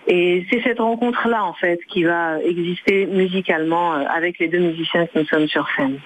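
A woman with a fairly low voice, a native Arabic speaker, talks about her music on the radio. She hesitates often, restarting phrases and filling pauses, over faint background noise. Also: narrow, tinny audio. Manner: hesitant, many fillers and restarts. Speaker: singer and musician guest. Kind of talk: radio interview answers.

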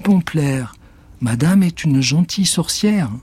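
A man voicing an earnest young schoolgirl who gently reassures and scolds her cat, in a storybook reading. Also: fairly high pitch, lively intonation, takes it slowly, husky, dry recording, pitched above the performer's own voice, exaggerated voice. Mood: reassuring.

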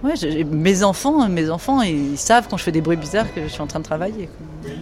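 A woman's voice: fairly low pitch, lively intonation, brisk, over music. A middle-aged woman novelist speaking enthusiastically in a radio documentary interview, often restarting and repeating words. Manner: enthusiastic, with many restarts and repetitions. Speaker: novelist guest.

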